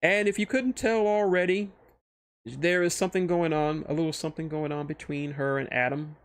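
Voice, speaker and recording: A man streaming casual commentary on his own fictional characters, halting and often restarting his phrases as he explains. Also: on the high side, fairly even intonation, smooth.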